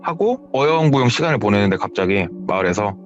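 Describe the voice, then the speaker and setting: A man's voice: fairly low pitch, fast talker. A man retelling a listener's horror story, acting out the dialogue. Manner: animated, acts out dialogue. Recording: dull audio with background music.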